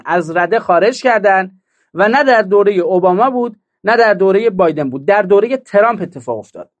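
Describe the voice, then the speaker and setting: A man delivering a political commentary monologue, emphatic and mocking, full of rhetorical questions. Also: sits high.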